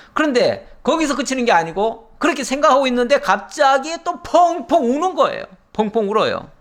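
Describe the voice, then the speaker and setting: Male pastor, expository sermon; high, expressive delivery that acts out the dialogue. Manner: animated storytelling, acts out dialogue with rising pitch; drops voice low and soft at sentence ends.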